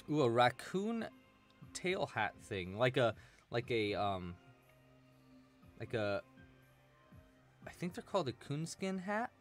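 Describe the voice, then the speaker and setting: Lively, chatty young man teaching crochet. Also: medium pitch. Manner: chatty, playful, laughs often, reads chat aloud. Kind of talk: live-stream crochet lesson reading chat. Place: small room at home, indoors.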